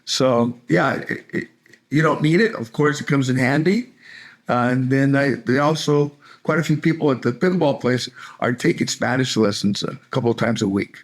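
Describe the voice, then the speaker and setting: A man's voice: medium pitch, moderate pace. Easygoing older man, chatty and laughing. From California. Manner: easygoing, chatty, laughs while telling stories. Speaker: interviewee, retiree in Mexico. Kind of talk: casual interview chat.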